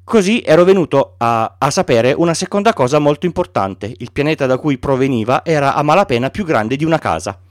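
Male host reading a storybook aloud, unpolished with restarts; slightly high, very lively voice. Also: fairly quick, few pauses, dry recording, studio quality. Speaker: podcast host.

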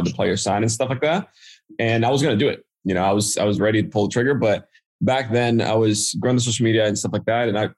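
A man from the Dominican Republic, a native Spanish speaker with a Dominican accent, casually telling his story as a podcast guest. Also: lowish voice. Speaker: podcast guest, marketing entrepreneur.

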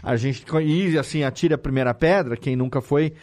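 A man's voice: medium pitch, moderate pace, darkish tone. A man with a Brazilian Portuguese accent hosting a casual podcast, explaining things informally and often repeating words. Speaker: podcast host and audio drama editor.

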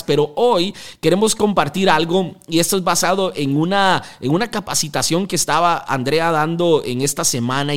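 An energetic young man with a Costa Rican accent hosts a casual podcast. His voice sits a touch high for a man, and he talks in a restless, upbeat way, laughing at his own jokes. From Costa Rica. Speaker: podcast host.

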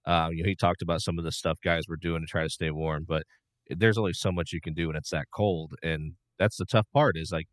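A man co-hosting a sports talk show, giving animated opinions in casual chat with plenty of fillers and restarts. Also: deep voice, fairly quick, dry recording.

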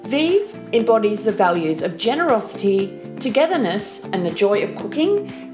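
A woman, a business coach, hosting a podcast and introducing her guest with an upbeat, animated manner. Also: a little high. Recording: roomy with music behind.

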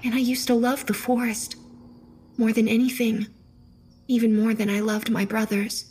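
A man voicing an eerie, pale, inhuman girl creature in a soft, breathy voice for an audiobook. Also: high-pitched, little pitch movement, moderate pace, pitched above the performer's own voice. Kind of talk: audiobook character voice.

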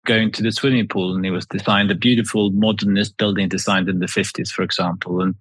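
A man from Sweden, a guest architect talking reflectively in an interview, sometimes pausing to find words. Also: lowish voice, little pitch movement, a bit bright, husky, dry recording. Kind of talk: casual interview talk.

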